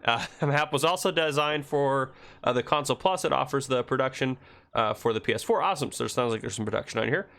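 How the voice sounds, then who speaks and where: Gravelly, congested male host, rambling game commentary. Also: medium pitch, quick pace, fairly bright tone. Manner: chatty, rambling, self-correcting. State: congested from a cold. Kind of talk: casual gameplay commentary.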